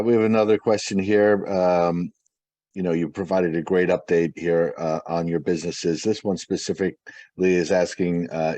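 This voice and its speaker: A man moderating an earnings call, reading out investor questions in a halting way. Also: deep voice, mellow, no room sound.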